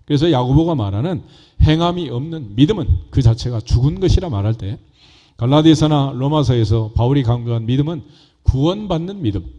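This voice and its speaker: A male pastor preaching a sermon, reading scripture slowly and solemnly and building emphasis as he explains it. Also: a little high, mellow. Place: church sanctuary. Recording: dull echoey church hall.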